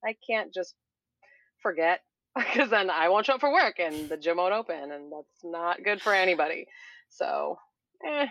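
A woman's voice: lowish voice, expressive, moderate pace, a bit bright, no echo, highs cut off. A woman from Texas who works as a doula and strength coach, talking casually as a guest with many restarts. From Texas, Houston area. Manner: rambling, with many restarts and "you know". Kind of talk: casual interview chat.

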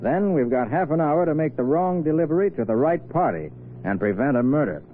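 An actor playing a brisk, commanding, cool-headed detective hero in a 1940s radio drama. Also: male voice, a little high, lively intonation, close to an everyday voice. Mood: urgent. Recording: tinny, noisy old radio broadcast.

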